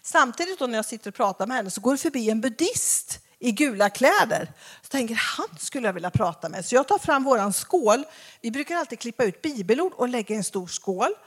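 A woman's voice: on the high side, big pitch swings, slightly rough. A woman giving a Christian teaching talk, acting out conversations as she tells them. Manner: acts out dialogues with shifting voices. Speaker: Christian speaker.

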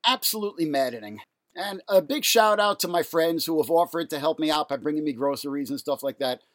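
A man, hosting a solo podcast from his apartment, ranting angrily in a raspy, nasal voice while ill and congested. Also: on the high side, animated, fairly quick, a bit bright, no echo. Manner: angry, indignant ranting. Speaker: podcast host. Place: home apartment.

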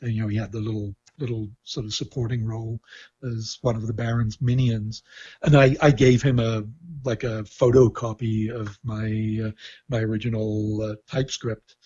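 A man from Canada gives reflective interview answers in a dark, husky voice of medium pitch. He speaks haltingly and thoughtfully, with firm opinions. The recording is slightly dull. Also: level tone. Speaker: interviewee, film journalist. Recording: dull, lo-fi sound.

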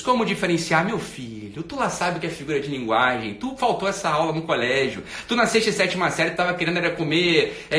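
A man's voice: sits high, pushed and bright. A Brazilian man with a Brazilian Portuguese accent, a self-help coach ranting bluntly and profanely at comments, in an echoey room.

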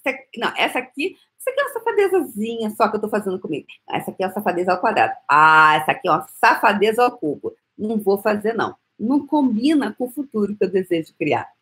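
Energetic Brazilian woman coaching. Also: mid-range voice, quick pace, few pauses. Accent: Brazilian Portuguese. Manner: energetic, coaxing, repeats phrases like a mantra; speaks intimately to the listener. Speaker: host. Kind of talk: motivational live-stream talk.

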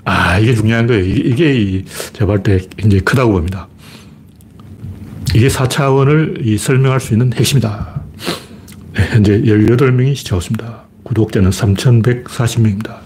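A man's voice: lowish voice, brisk, a little mellow, slight background noise. A man hosting a live stream, giving blunt, rambling political commentary and greeting viewers by name. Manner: blunt, rambling, mimics people in raised voices. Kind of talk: casual political commentary livestream.

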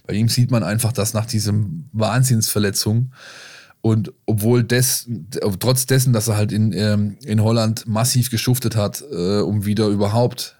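A man's voice: on the low side, fairly even intonation, normal speed, darkish tone. A man co-hosting a football podcast, explaining things in a casual, colloquial way. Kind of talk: casual football talk and analysis.

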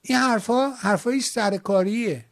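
A man with a high, gravelly voice hosts a heated call-in show. He lectures and scolds the caller. He drops into dramatic chanted asides to make his point. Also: no room sound, clean studio sound.

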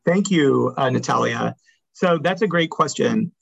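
A man's voice: medium pitch, animated, measured pace, creaky, breathy edge, no echo, dull audio. A man speaking as an academic, answering audience questions after a talk in an explanatory, hedging way that often checks in with the listeners.

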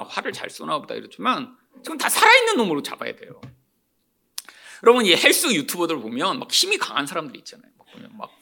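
Animated high-voiced male preacher. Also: gravelly. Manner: animated, often calls out to the congregation. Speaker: pastor. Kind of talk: expository sermon.

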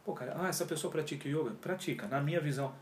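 A man's voice: fairly high pitch, racing, a little hiss or hum. A man, a yoga teacher telling his story in a casual, slangy interview. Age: 40s. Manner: animated and slangy, often says cara and pô. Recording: roomy echo.

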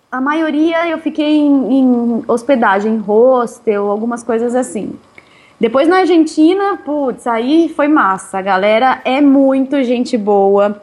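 Woman, touring cyclist, interviewee; casual and chatty, laughs easily, slightly high voice. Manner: chatty, laughs often, relaxed slang.

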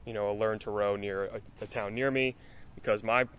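A man's voice: fairly low pitch, a little fast, clean tone. A young man who rows in college and is from Massachusetts, telling his story in an interview. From Massachusetts, USA. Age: young adult. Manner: steady storytelling with fillers. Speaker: college rower. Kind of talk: interview answers.

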